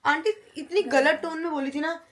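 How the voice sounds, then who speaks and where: A woman's voice: high-pitched, moderate pace, a bit bright. A young woman vlogging in a casual, chatty way, telling a story with indignation. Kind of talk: casual vlog chat.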